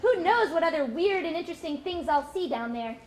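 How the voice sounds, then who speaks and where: A woman's voice: very high voice, fairly quick, a little hiss or hum. A woman voicing an eager young whale. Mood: cheerful. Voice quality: bright, excitable. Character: lost young whale diving for squid, eager. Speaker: puppeteer. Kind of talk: live amateur puppet show. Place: stage in a hall.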